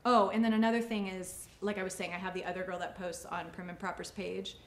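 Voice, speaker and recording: Her delivery is flat and fast at a medium pitch: a woman in her forties who owns a salon, chatting casually as she teaches during a demonstration. The recording comes from an echoey white-backdrop studio with faint ambient noise.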